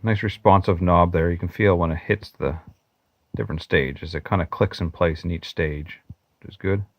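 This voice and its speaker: A man narrating an unboxing in a plain, matter-of-fact way, pausing now and then. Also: low voice, steady tone, dry recording, muffled recording. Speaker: channel host.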